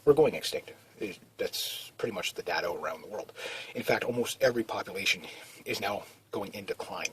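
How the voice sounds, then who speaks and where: A man's voice: fairly low pitch, a little fast, fairly bright tone, husky, rough recording. A man talking in a rambling, casual monologue, full of restarts and fillers. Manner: meandering, many restarts and "you know" fillers. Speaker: video blogger.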